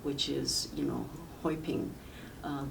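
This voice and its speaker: A woman in her seventies from rural southern China, a native speaker of a Chinese village dialect, reminisces about her life in a halting, reflective way for an oral history interview. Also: extremely low pitch, fairly even intonation, vocal fry. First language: Sayep village dialect of Chinese. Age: 70s. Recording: distant mic with faint background noise.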